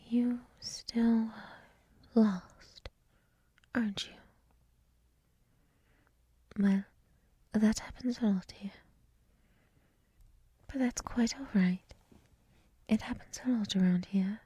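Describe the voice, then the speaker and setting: A woman voicing a gentle dryad librarian in a soft, breathy whisper for an ASMR roleplay, speaking in a hushed, soothing, reflective way close to the microphone. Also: medium pitch, takes it slowly, long pauses. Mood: gentle, welcoming.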